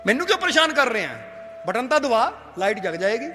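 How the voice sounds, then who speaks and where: A man voicing God as a weary figure, scolding a nagging man in quick, exasperated words. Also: extremely high pitch, big pitch swings, pushed and bright, a little hiss or hum, heavily acted. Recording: long hall reverb with faint music.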